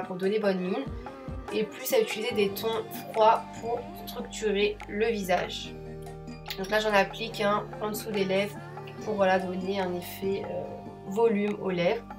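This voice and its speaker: A young woman narrating her makeup tutorial as a chatty, enthusiastic voice-over. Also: mid-range voice. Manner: chatty, enthusiastic, addresses viewers as girls. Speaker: beauty vlogger.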